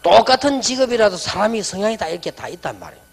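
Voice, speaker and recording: A middle-aged man preaches a sermon, telling stories in a lively way. His voice sits high and leaps all over the place. A long reverb from the church hall trails each phrase. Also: rapid-fire, vocal fry, slightly rough. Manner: animated storytelling, drops soft and low when quoting. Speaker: pastor.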